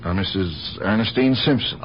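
An actor in a radio drama playing a courteous, inquisitive police detective who questions in a measured way. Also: male voice, fairly low pitch, close to an everyday voice. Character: polite, probing male police detective. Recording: muffled, noisy old radio broadcast recording.

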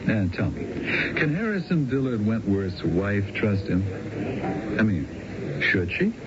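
Through a dull, noisy radio recording comes a cocky American schemer. The voice is fairly low and swings widely in pitch as he makes his persuasive pitch. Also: big pitch swings, unhurried. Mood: cocky, scheming. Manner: cocky, persuasive, punchy phrasing. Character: smooth-talking male schemer, cocky and persuasive. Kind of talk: 1970s radio drama acting.

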